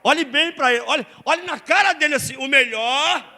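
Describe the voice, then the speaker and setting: A Brazilian pastor preaching a sermon in a church, calling on the congregation to repeat phrases and respond aloud. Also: male voice, extremely high pitch, normal speed, pushed and bright. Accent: Brazilian Portuguese. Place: church sanctuary.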